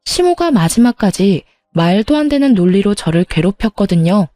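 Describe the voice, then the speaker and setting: A woman's voice: mid-range voice, lively intonation, normal speed, mellow, no echo, soft background music. A woman narrating her own story in first person, plain-spoken and indignant, acting out her side of the arguments.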